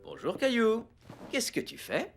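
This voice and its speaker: Good-natured cartoon father, hugely swooping pitch, unhurried delivery, good-humored. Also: sing-song, over music, full character voice. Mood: friendly. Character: good-natured, easily fooled father of a young boy. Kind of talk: French-dubbed preschool cartoon acting.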